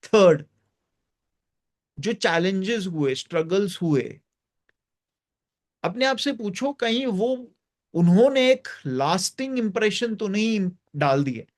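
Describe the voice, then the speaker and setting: Male host, high light voice, emphatic guide for a reflective group talk. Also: very animated. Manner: emphatic, drawn-out stress on key phrases; warm, encouraging invitations to share.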